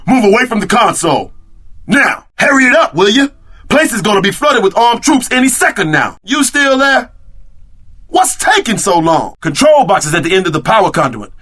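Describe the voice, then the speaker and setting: Gruff, brash action-game tough guy. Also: high-pitched, sing-song, moderate pace, sharp tone, no room sound, exaggerated voice. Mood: urgent, barking. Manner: streetwise, swaggering slang. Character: tough, brash former security chief out for revenge. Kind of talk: video game voice acting.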